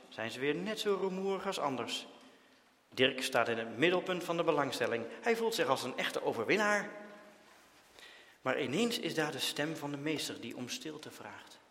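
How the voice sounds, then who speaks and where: A man reading a children's story aloud, with expressive, dramatic storytelling. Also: mid-range voice, big-room sound. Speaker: narrator.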